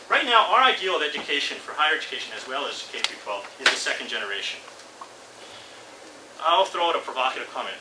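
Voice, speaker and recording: A middle-aged man with a Canadian accent giving an informal academic talk, posing rhetorical questions and checking in with his listeners. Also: on the high side. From Vancouver, Canada. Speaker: university lecturer. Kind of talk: academic conference talk to an audience. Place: indoor seminar room with audience, far camera. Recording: echoey room, distant mic, loud noise.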